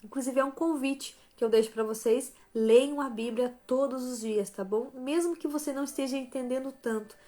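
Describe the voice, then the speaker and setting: A woman giving a motivational Christian talk on a live stream, tagging phrases with "né?" and "tá?" and shifting between softer and stronger emphasis. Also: sits high, moderate pace, few pauses. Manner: tags most phrases with "né?" and "tá?"; greets viewers by name mid-talk. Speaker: live stream host and author.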